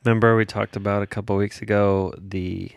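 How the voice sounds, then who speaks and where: A man's voice: on the low side, level tone, a little fast, vocal fry, smooth, dry recording. An American man co-hosting a podcast, telling stories in casual comedic banter. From United States. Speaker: podcast co-host.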